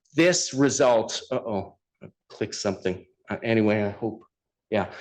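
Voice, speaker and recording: An ordinary speaking voice from a man at a moderate pace, with ordinary pitch variation. The background is quiet. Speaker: health researcher presenting a study. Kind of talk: research seminar presentation.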